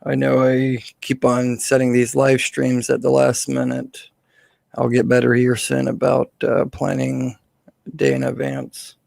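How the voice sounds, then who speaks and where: A man with a slightly hoarse voice hosting a casual live question-and-answer stream, speaking informally and haltingly off the cuff. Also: mid-range voice, completely flat delivery, a little mellow, no room sound.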